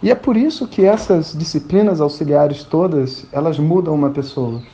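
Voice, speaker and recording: A man's voice: fairly high pitch, normal speed, warm tone. A man from Rio de Janeiro, telling a personal story in a colloquial way and acting out the dialogue. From Rio de Janeiro, Brazil. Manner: colloquial, acts out quoted dialogue. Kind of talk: anecdotal storytelling talk. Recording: dull lo-fi recording.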